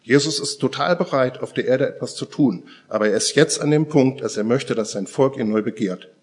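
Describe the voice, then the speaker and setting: A man preaching a sermon in a church service, earnest and deliberate, often sinking to a hushed near-murmur. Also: medium pitch.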